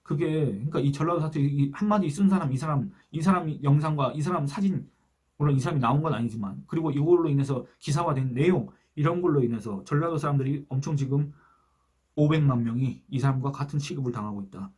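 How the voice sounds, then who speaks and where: Guy doing a political rant on his channel, talks fast, kinda husky, keeps asking why. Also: a little high, darkish tone. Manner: earnest, rhetorical questions, reads out comments. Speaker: political commentary YouTuber. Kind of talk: solo political commentary.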